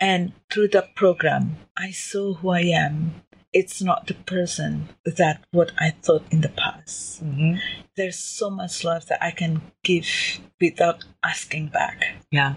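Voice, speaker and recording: A woman talks very slowly, her intonation fairly even. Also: fairly low pitch for a woman. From Indonesia (Java). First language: Indonesian/Javanese. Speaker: domestic helper. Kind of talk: casual interview.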